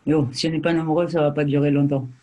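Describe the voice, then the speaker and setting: A man with an Argentine accent hosting a casual online group chat, talking in a relaxed, hesitant way with many fillers. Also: fairly high pitch, quick pace, lo-fi sound. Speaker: session host.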